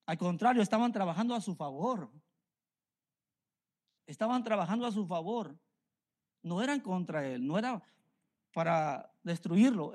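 A middle-aged pastor from Mexico preaches a sermon earnestly in a Mexican Spanish accent, repeating phrases for emphasis. His voice is high with a darkish tone.

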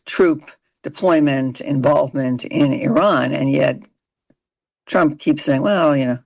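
A woman's voice: low voice, a little slow, creaky, darkish tone. A woman hosting an interview, asking long, rambling questions in a conversational way. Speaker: interview host.

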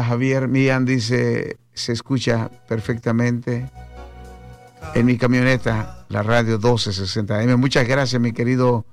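Latin american guy preaching on radio, medium pitch, slow, lots of amens, music under it. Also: no room sound. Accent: Latin American Spanish. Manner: devout, punctuates talk with hallelujahs and amens. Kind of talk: devotional radio preaching and chat with callers. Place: radio studio.

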